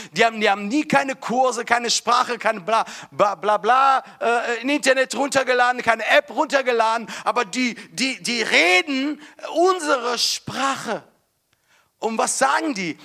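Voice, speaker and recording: A man preaching a sermon with fervent emphasis, moving between loud bursts and quiet storytelling, often restarting and repeating words. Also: very high voice, vocal fry.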